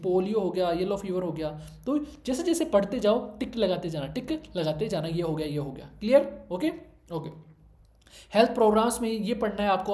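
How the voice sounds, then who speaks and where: A man's voice: high voice, darkish tone, echoey room. A man tutoring students for medical exams in a screen-share revision lecture, emphatic and repeating his key instructions while checking in often.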